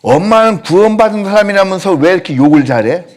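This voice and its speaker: A man's voice: animated, fast talker, a little mellow. A pastor voicing a young child who innocently questions its mother. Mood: puzzled. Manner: high, incredulous questioning.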